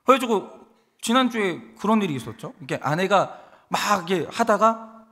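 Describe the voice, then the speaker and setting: A man in his thirties preaching in an animated, storytelling way, his husky voice sitting high and swinging widely in pitch. The sound carries a long reverb from the church hall around him. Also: fairly quick. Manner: animated storytelling with acted quotes. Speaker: pastor. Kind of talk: sermon. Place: church sanctuary.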